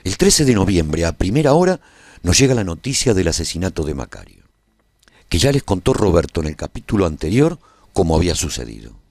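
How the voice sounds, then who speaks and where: A man's voice: low-pitched, very animated, a little fast, darkish tone, no room sound, studio quality, full character voice. A man playing a war survivor, solemnly narrating a heroic epic for a radio serial with emphatic delivery. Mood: grave, epic. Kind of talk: scripted dramatic narration.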